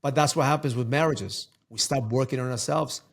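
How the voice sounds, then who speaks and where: Emphatic husky-voiced man coaching. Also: medium pitch, a little fast. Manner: emphatic, preachy, repeats words for stress. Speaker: guest entrepreneur coach. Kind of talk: casual interview chat.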